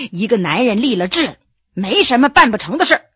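A woman's voice: fairly high pitch, big pitch swings, moderate pace, a bit bright, slightly rough, no echo, lo-fi sound, exaggerated voice. A woman voicing a playful, ambitious male Qing minister in a storybook reading. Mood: teasing, self-assured. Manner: jovial, teasing, self-assured.

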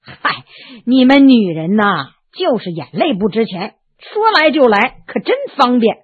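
A woman's voice: on the high side, very animated, unhurried, slightly rough, full character voice. A woman putting on a drawling lazy official man. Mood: coaxing. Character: idle rich official man, lazy and doting. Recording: tinny narrow phone-like sound, dry.

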